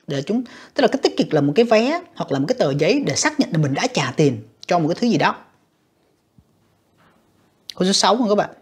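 A woman's voice: lowish voice, a little mellow, breathy edge. A woman teaching an exam walkthrough, talking patiently with frequent fillers and repeating words as she explains. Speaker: English teacher.

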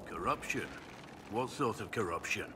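Rugged male warrior for a fantasy game: deep, dry, guarded, over clear ambient noise. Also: lively intonation, measured pace. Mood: guarded, thoughtful. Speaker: game character. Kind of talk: video game dialogue acting.

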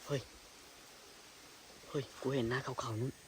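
A man with in his speech, vlogging in hushed, tense tones while walking through a dense rainforest with a companion, using coarse slang. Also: unhurried, a little hiss or hum. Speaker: ghost-hunting vlogger. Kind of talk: whispered jungle exploration vlog. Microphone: handheld camera.

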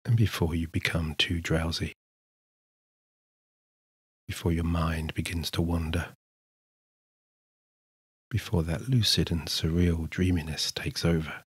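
A man narrating a scripted sleep hypnosis session in a soothing, measured manner with unhurried pauses. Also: sits low, steady tone, breathy edge, dry recording. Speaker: hypnotist, guided meditation narrator.

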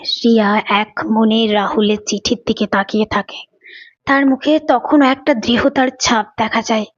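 A woman narrates a dramatic audio story from a script. Her voice sits on the high side, and the recording sounds a little muffled and lo-fi. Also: steady tone, measured pace. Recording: dull lo-fi recording.

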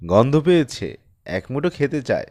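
A man's voice: mid-range voice, sing-song, normal speed, darkish tone, no echo, close to an everyday voice. A man voicing a poor, humble peasant father in an audiobook story, pleading in a deferential, plaintive way. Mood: desperate, begging.

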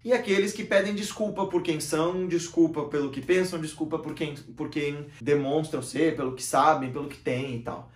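Seated in an armchair in a small bookshelf-filled room, a thirty-something Brazilian channel host talks to camera at normal speed with few pauses. His philosophical monologue is animated, full of gestures and frequent changes in volume and pitch, with a roomy echo on the audio.

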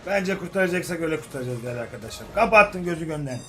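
A young man giving casual, joking commentary while playing slot games, swinging from grumbling to excited hype. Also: a little high, very fast. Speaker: slot game streamer. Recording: faint music behind voice. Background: faint game music.

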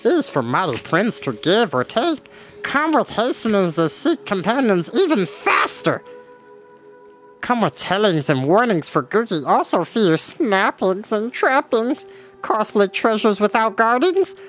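Storybook beast voiced by a man: a shaggy, timid male creature, fretful, talks in broken rhyming phrases, pitched up. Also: big pitch swings, measured pace, fairly bright tone, soft background music, exaggerated voice. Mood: fearful. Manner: odd broken speech, rhyming plurals.

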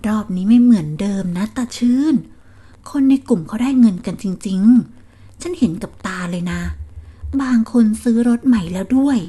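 A woman's voice: on the high side, moderate pace, warm tone, slightly rough. A woman voicing a gullible old grandmother who keeps defending her risky investments. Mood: eager. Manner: stubborn, pleading, defensive. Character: gullible old village grandmother chasing quick money.

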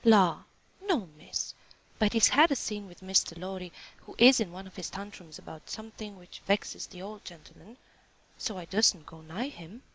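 A woman's voice: medium pitch, normal speed, a bit bright, poor audio. A woman voicing a flustered, timid housemaid in a storybook, deferential and fretful, with rustic speech. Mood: deferential, wary. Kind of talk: storybook character dialogue.

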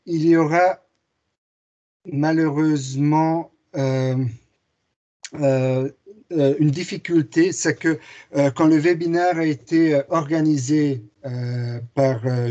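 Man in his forties, non-native speaker, slow and mellow, presenting from a home office over a dull call line. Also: medium pitch. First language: not French. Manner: slow, with many hesitations. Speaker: guest presenter. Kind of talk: webinar presentation. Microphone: video call. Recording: muffled video call audio.

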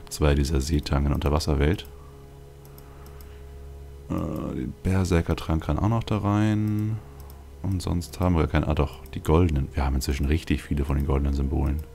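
A man's voice: rumbling low, steady tone, brisk, gravelly, mellow, a little hiss or hum. A man giving casual gameplay commentary as a let's play host, rambling and thinking aloud. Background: video game music.

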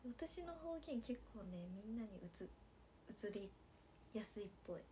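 Brief: young woman, Nagasaki dialect, sleepy livestream chat, fairly high voice, faint hiss behind. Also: sing-song, measured pace. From Nagasaki, Japan. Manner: drowsy, drifting into soft whispers, then bright squeals for viewers. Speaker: idol livestreamer. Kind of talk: casual livestream chat reading comments.

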